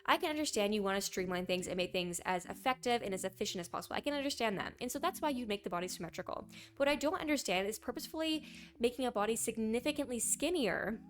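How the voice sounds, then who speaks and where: A young woman with a hoarse, raspy voice from a sore throat chats casually as a gaming news commentator, reading posts aloud. Her pitch is fairly high, her intonation lively, and she talks fast.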